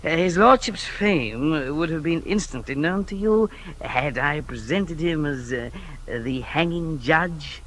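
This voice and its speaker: An actor playing a sly, smooth male informer in a 1950s radio drama, suave and insinuating. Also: fairly high pitch, takes it slowly, a bit bright. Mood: silky.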